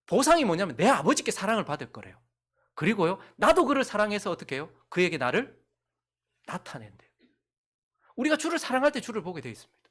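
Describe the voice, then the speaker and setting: A middle-aged male pastor preaching a sermon, swinging from loud calls to hushed near-whispers and acting out quoted voices as he tells stories. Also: sits high. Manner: acts out quoted voices in conversational storytelling.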